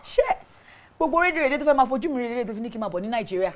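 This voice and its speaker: An actress with a Nigerian accent playing a furious betrayed young wife who shouts, curses and mixes Yoruba with English. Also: female voice, a little high, expressive, racing, lightly acted. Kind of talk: film drama acting.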